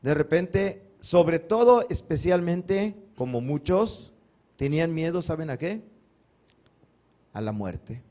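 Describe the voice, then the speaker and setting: Male pastor, sermon, fairly high voice, quizzes the congregation. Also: expressive, slow pace, mellow. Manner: asks the congregation questions and answers them himself; acts out biblical cries dramatically. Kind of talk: Sunday sermon.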